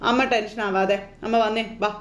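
A woman voicing a gentle, soothing son. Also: medium pitch, fairly even intonation, moderate pace, lightly acted. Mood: reassuring. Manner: soothing, reassuring. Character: gentle middle-aged son soothing his mother. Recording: roomy echo.

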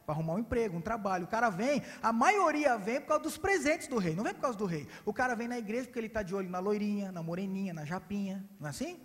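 Brazilian male pastor, lively story sermon, high voice, church reverb. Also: fast, few pauses. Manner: animated, swinging between loud and hushed. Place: church sanctuary.

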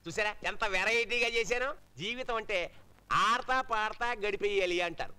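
A boastful, showy minister. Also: male voice, high-pitched, moderate pace, pushed and bright, smooth. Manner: boastful, bossy, mocking. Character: vain showy male minister, loud and boastful. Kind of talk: film comedy acting.

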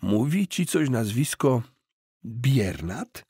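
An anxious young man in an audiobook, played by a male narrator. His voice is husky and lively in pitch. He sounds stunned, hesitant and indignant. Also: slow pace, no room sound, studio quality, heavily acted. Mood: tense, indignant.

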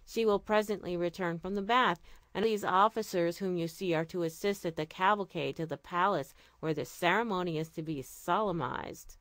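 A woman voicing a chatty male oil merchant who talks in a brisk, incredulous way. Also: fairly low pitch, fairly bright tone, no echo, lightly acted.

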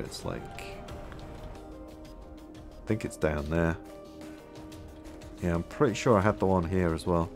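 A man musing aloud as he plays a game, his voice a little hoarse, with many fillers. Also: deep voice. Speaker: gameplay video host. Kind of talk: casual gameplay commentary.

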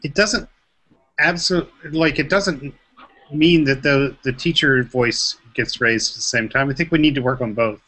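A man's voice: medium pitch, moderate pace, bright, forceful tone, rough recording. A middle-aged man hosting a video call discussion, friendly and chuckling, with hesitant restarts. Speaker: host.

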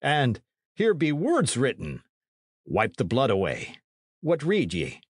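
A man voicing a gruff, uneasy middle-aged male retainer with brusque, old-fashioned speech. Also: mid-range voice, wildly swooping pitch, slow, no room sound, studio quality, pitched above the performer's own voice, heavily acted. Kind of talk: audiobook character voice.

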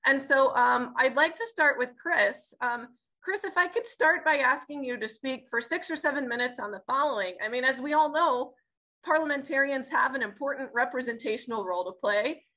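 A woman in her thirties with a bright, fairly high voice moderates an online panel, speaking articulately while filling pauses with "um" and repeated words. She is recorded on a webcam over a video call. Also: low-quality recording. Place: indoors, in front of a branded backdrop.

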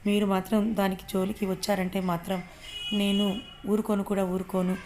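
A woman's voice: medium pitch, little pitch movement, moderate pace, a little mellow, lightly acted. A woman voicing a fierce middle-aged mother who defends her daughter in a defiant, scolding way.

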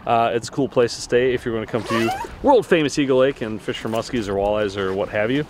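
A man's voice: mid-range voice, fast, background noise. A man hosting his fishing channel, talking casually and cheerfully to the camera from a boat on a lake, with plenty of ums and uhs. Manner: upbeat, joking, with frequent fillers. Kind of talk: casual vlog talk to camera.

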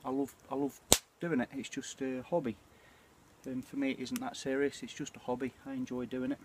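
A British man in his forties chatting casually and reflectively to camera, with a hesitant, throat-clearing delivery. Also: medium pitch, steady tone, fairly quick, a little mellow. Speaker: bushcraft vlogger. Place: outdoors at night by a small campfire. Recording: clear ambient noise of an outdoor campfire.

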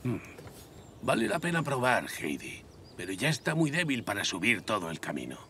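An actor voicing a stern, gruff old grandfather with a soft heart in an animated series. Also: lowish voice, normal speed, slight background noise. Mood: grave. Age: older. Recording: music behind the voice.

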